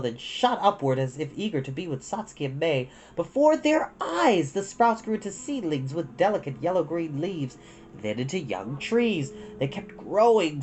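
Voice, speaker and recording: A woman reading a children's story aloud as a host, with dramatic, unhurried delivery. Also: fairly low pitch, a little mellow. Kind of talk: expressive children's storybook narration.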